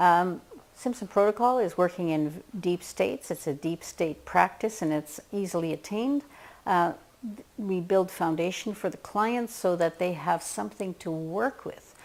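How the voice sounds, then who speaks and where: A woman talks at a moderate pace with a Canadian accent. Her pitch is medium, with ordinary pitch variation. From western Canada. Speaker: hypnosis trainer. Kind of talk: promotional video.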